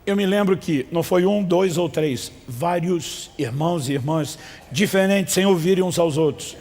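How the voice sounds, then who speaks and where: A man's voice: high-pitched, moderate pace, darkish tone, big-room sound. A man from Brazil preaching a sermon as pastor, emphatic and calling on the congregation to respond.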